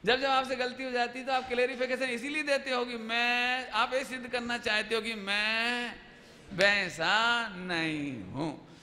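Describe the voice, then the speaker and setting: A male preacher giving a lively sermon-lecture, asking the audience questions and acting out everyday examples. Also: very high voice, normal speed, hardly any pauses. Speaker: Jain preacher. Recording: echoey hall, faint background noise.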